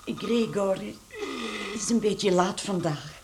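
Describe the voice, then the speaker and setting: A woman's voice: medium pitch, slow pace, natural voice. An actress in a radio play playing a middle-aged, worried and protective mother with a polite, apologetic way. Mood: polite, nervous. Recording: slightly noisy radio drama recording.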